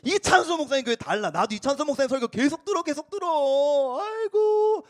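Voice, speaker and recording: A man's voice: extremely high pitch, expressive, fairly quick, voice pushed up. A man putting on a doting old church lady. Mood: gushing. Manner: fussing, doting, exclaiming. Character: gushing older church deaconess woman.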